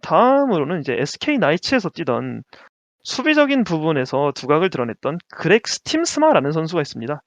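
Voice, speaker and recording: Lively higher-voiced man chatting basketball. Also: a little fast, dry recording, dull audio. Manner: lively, laughs often, stumbles over names. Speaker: podcast co-host. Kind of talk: casual basketball chat.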